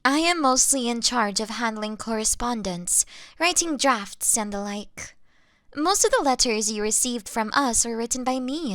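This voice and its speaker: A woman playing a young vampire in an intimate audio roleplay, refined, gentle and apologetic, speaking in formal, polite, deliberate phrases. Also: fairly high pitch, no room sound, clean studio sound. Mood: apologetic, courteous. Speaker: audio drama performer.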